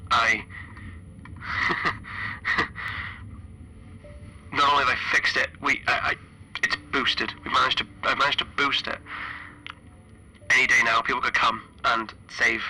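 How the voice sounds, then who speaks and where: A man playing a frightened, stranded spaceship engineer recording an audio log for a horror roleplay, halting and stammering through a radio filter. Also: mid-range voice, bright, forceful tone, a little hiss or hum, poor audio. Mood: shaken relief. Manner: halting, stammering, anxious repetitions. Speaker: solo tabletop roleplayer.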